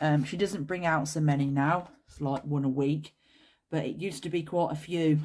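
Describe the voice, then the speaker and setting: Speaking at a moderate pace in a British accent, a woman has a very deep, low voice. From UK. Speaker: nail art YouTuber. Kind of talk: unboxing and swatching tutorial. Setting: home recording. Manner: animated. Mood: enthusiastic, chatty.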